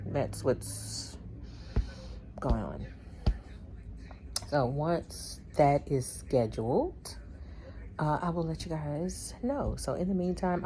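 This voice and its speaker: Woman vlogging, low voice, chatty and laughy, faint background hum. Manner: chatty, laughs often, quotes her doctor in animated bits. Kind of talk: casual vlog chat.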